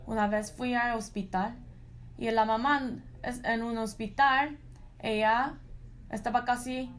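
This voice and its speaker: A woman's voice: fairly high pitch, fairly even intonation, a little slow. A woman interpreting a Sunday sermon, earnest and full of restarts, often tagging her lines with a questioning "right?". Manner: earnest, with frequent restarts and "¿no?" tags. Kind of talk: live Spanish interpretation of a sermon.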